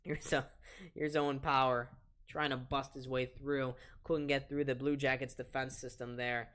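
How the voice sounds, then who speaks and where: An eighteen-year-old man with a soft voice, casually calling live hockey play-by-play on a stream and chatting with viewers between plays. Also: medium pitch, flat delivery, moderate pace, clean tone. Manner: chatty, reads chat aloud and talks to viewers between plays. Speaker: play-by-play commentator and stream host.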